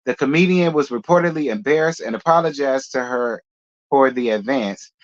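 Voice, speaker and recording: A man chats through celebrity gossip with sass and laughing asides, at a middle pitch. His voice is slightly dull and lo-fi. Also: moderate pace. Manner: sassy, chatty, laughing asides. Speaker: host. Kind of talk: casual gossip commentary.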